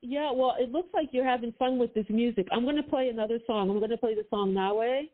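A woman's voice: on the high side, brisk. Chatty woman host on a phone line. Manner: chatty, enthusiastic. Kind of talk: casual interview chat.

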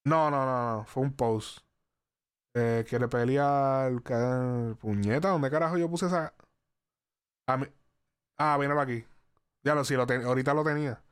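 A man's voice: medium pitch, normal speed, long pauses, clean tone. A man hosting a casual chat, rambling and restarting his sentences, swearing casually.

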